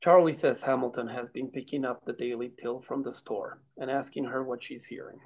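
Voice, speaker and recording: A man's voice: mid-range voice, fairly even intonation, fairly quick, slightly rough, poor audio. A man reading the part of a wry, cautious small-town man in a drama table read.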